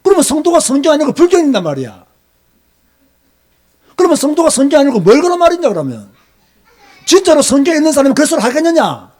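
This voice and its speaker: A man's voice: extremely high pitch, sing-song, quick pace, long pauses, a little mellow. A middle-aged man with a Gyeongsang Korean accent, preaching as a pastor in an emphatic, scolding way, firing off rhetorical questions. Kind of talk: sermon lecture.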